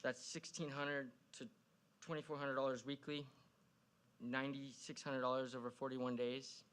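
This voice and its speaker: A man's voice: mid-range voice, level tone, moderate pace, fairly bright tone, clear, resonant tone. A man reading prepared public remarks to a council in a pointed, critical, argumentative way. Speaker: public commenter at a city council meeting. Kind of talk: prepared speech, read out.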